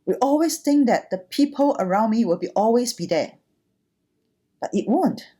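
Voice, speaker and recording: Buddhist nun giving a talk, relaxed mellow voice, takes her time between short phrases. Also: medium pitch, slightly rough. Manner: deliberate, short phrases with pauses, earnest. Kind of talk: sermon, gentle teaching talk.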